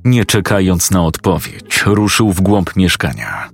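A man narrating a scripted story in a steady, matter-of-fact way. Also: deep voice, measured pace, soft background music.

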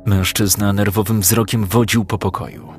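A man narrating a dramatic story in a calm, measured audiobook reading. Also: fairly low pitch, faint music behind.

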